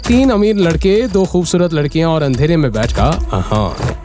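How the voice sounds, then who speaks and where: A male narrator telling an audio drama with dramatic flair. His voice is a bit high and very lively, rising and falling with the story. Loud music plays under the narration. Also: moderate pace.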